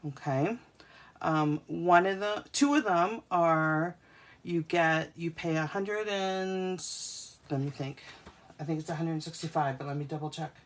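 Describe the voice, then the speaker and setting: A woman hosting a live craft demonstration, talking casually with many fillers and restarts. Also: fairly low pitch. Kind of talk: casual live-stream demo.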